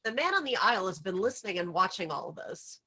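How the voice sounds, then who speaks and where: A woman's voice: medium pitch, very animated, quick pace, bright, forceful tone, husky. A woman reading the stage directions as narrator in a script table read.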